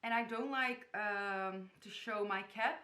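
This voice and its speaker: In her echoey bedroom, a young Dutch woman who vlogs hijab tutorials shows styles to the camera in casual talk. Her medium-pitched voice is sharp in tone and slow-paced, and she's chatty and giggly, stumbling over place names.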